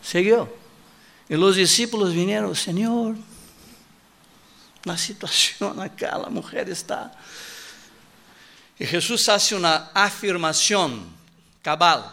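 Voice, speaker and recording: A male preacher with a somewhat high, gravelly voice, preaching slowly and deliberately. He is a native Portuguese speaker whose Spanish is halting and mixed with Portuguese words. He drives his main line home through emphatic repetition. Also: sharp tone. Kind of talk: sermon.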